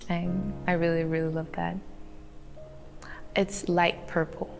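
A teenage woman from Canada answering interview questions in a soft, giggly way with many ums, filmed in a photo studio. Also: lowish voice, level tone, slow, creaky, rough recording. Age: teens. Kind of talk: recorded profile interview. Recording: clip played with faint music.

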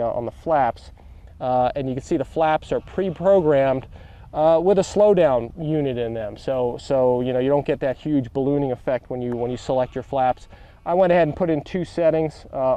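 A man of middle age demos a model aircraft outdoors on grass and then calls its flight, chatting to viewers with eager asides and plenty of fillers. He reviews and pilots these models. His medium-pitched voice sounds mellow and clean.

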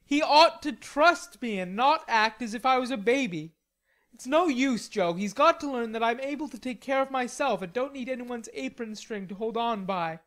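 Storybook lad in a huff: female reader playing a stubborn, petulant teenage boy, pitched up, full of bluster. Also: lively intonation, normal speed, a bit bright. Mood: indignant. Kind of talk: storybook character dialogue.

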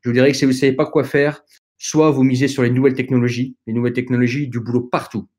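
A man's voice: medium pitch, level tone, quick pace, a little mellow. Hesitant man giving earnest advice. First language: not French. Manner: hesitant, with frequent fillers and restarts; earnest, direct advice to young listeners. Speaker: podcast guest. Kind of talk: conversational advice in an interview.

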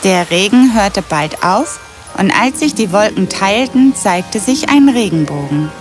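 A woman's voice: mid-range voice, lively intonation, a little slow. A woman storyteller reading a scripted children's fairy tale. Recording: clear music behind the voice.

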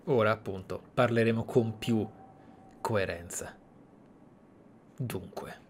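A man's voice: fairly low pitch, takes it slowly, a little hiss or hum. A man giving reflective, explanatory commentary as he streams a roleplay game. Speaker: gaming streamer and host.

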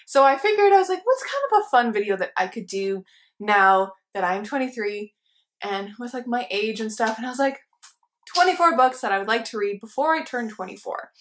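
A woman's voice: on the high side, animated, brisk, a little hiss or hum. A woman in her twenties, a book vlogger talking casually to camera at home, chatty and laughing often between words. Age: 20s. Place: living room with armchairs and a plant.

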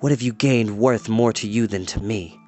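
A man's voice: lowish voice, moderate pace, darkish tone, faint music behind, lightly acted. A man doing a defiant young storybook hero. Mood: whispering.

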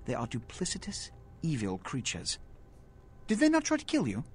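A man's voice: fairly high pitch, wildly swooping pitch, normal speed, noisy background. A man playing an imperious, scheming vampire prince in a video game, speaking in a pompous, theatrical, formal way. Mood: indignant, scornful.

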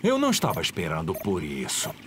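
A man's voice: low-pitched, wildly swooping pitch, brisk, noisy background. A man voicing a jolly, bumbling father pig in a cartoon dub, hearty and chuckling. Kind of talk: Brazilian Portuguese cartoon dub.

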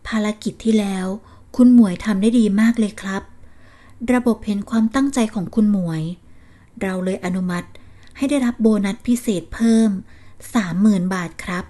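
A woman's voice: medium pitch, dark tone, lightly acted. A woman voicing a male online scammer who coaxes an old woman with polite, persuasive talk. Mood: coaxing. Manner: slow, overly polite, coaxing.

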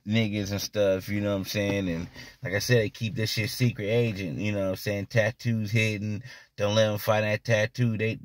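Low-voiced man rambling in casual street talk. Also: fairly bright tone, no room sound, clean studio sound. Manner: rambling, repeats "you know what I mean" often. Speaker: storyteller.

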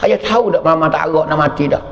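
An earnest young daughter speaks slowly in a high, rough voice, as a Pattani Malay preacher voices her. The sound is dull, lo-fi and echoey, as if in a large hall. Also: natural voice. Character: young daughter bringing a message.

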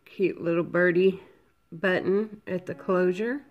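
A woman with a cold, sniffling a little, slowly listing her handmade headbands for sale from home. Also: on the low side, fairly even intonation, muffled recording, faint music behind. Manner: slow, unhurried item-by-item listing. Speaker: crafter selling handmade headbands. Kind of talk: casual product walkthrough.

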